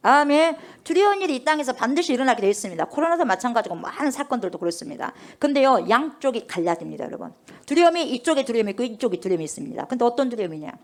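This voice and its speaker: A woman's voice: on the high side, sing-song, rapid-fire, few pauses. A woman pastor preaching a sermon, firing rhetorical questions and constantly addressing the congregation.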